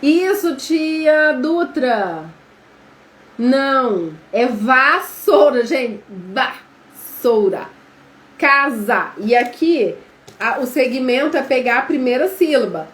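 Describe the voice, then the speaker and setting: Slow and expressive, her high-pitched voice carries a live online lesson. A Brazilian teacher with a Brazilian Portuguese accent, she chats freely, says "gente" to her viewers, and quizzes them, in a room with echo and faint background noise.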